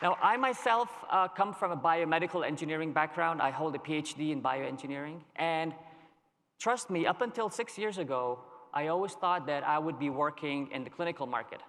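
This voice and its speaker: A man from Lebanon giving a conference keynote, telling a story in a measured way with dramatic pauses. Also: on the high side, expressive, fairly bright tone. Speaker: keynote speaker. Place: large conference hall. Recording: long reverb of a large hall.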